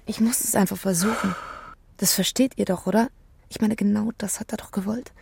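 An actress playing a calm, eerie young woman who whispers softly and persuasively in a radio play. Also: medium pitch, brisk, creaky, husky, no echo. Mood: dreamy. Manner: soft, dreamy persuasive whispering. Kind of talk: radio play acting and narration.

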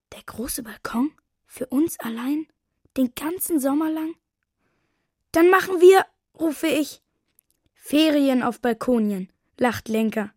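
A woman narrating a children's audio play as a boy of nearly eight, in a gentle, lively storytelling manner. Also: a little high, dry recording, clean studio sound. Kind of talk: first-person storybook narration.

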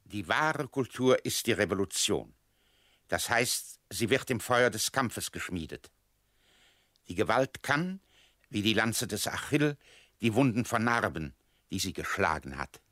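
An actor reading as an earnest intellectual extolling revolution, in a measured, declamatory radio-feature style. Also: male voice, lowish voice, animated, a bit bright, no echo, studio quality. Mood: earnest, lofty.

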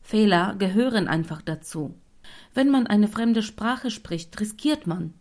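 A woman's voice: medium pitch, animated, unhurried, darkish tone. Dry-voiced woman narrating. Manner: dry, matter-of-fact. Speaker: narrator and German teacher. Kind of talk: scripted radio narration.

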